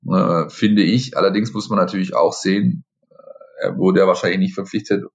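Deep-voiced male host, conversational and reflective. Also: steady tone, moderate pace, gravelly, lo-fi sound. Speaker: journalist podcast host. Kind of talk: casual podcast discussion.

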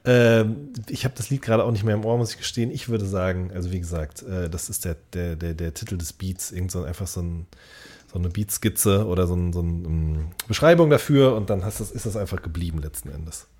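A man's voice: sits low, brisk, a little mellow. A man co-hosting a podcast in casual chat, often searching for words in a hesitant way. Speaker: podcast co-host; music journalist.

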